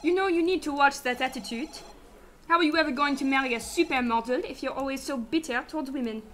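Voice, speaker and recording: Lady acting as a sassy young detective's sidekick, high voice, teasing, radio play, bit of noise behind. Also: quick pace, fairly bright tone. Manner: sarcastic, teasing. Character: sassy, wheedling young female detective's assistant. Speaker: actor in a sci-fi radio drama.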